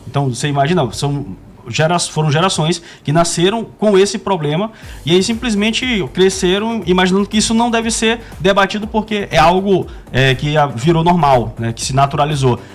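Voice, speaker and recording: A man's voice: a little high, fairly quick, a little hiss or hum. A man hosting a radio talk show, chatting and posing questions in a conversational way. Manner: conversational, asks with tags like "né". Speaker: radio host.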